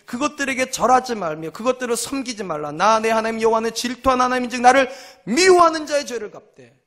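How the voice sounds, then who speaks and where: A man's voice: very high voice, lively intonation, fast, a bit bright. A male senior pastor preaching a sermon to his congregation. He asks rhetorical questions and repeats key lines for emphasis. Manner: acts out quoted voices in short dialogues.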